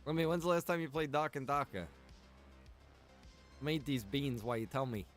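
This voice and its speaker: A man with a medium-pitched voice chats casually as he streams a game, with music playing behind him. His talk is slangy and playful, addressed straight to his viewers like friends. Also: lively intonation, brisk. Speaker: live streamer. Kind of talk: casual livestream chat while gaming.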